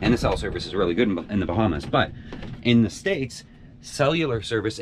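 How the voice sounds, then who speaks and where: A man with a very deep, low voice talks at a fairly quick pace over noticeable background noise. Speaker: sailing vlogger. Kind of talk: casual vlog chat. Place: boat. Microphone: phone near.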